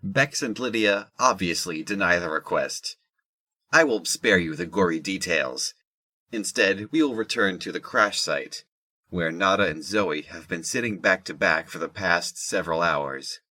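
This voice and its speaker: A man's voice: low-pitched, expressive, unhurried, pushed and bright, no echo. A man narrating a scripted audio drama.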